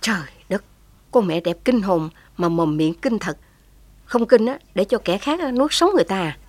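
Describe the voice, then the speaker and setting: A woman's voice: mid-range voice, lively intonation, normal speed, a little mellow, no echo, lightly acted. A woman voicing a young heroine who is daring and tender, pleading with feeling. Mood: sharp-tongued. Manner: impassioned, tearful pleading.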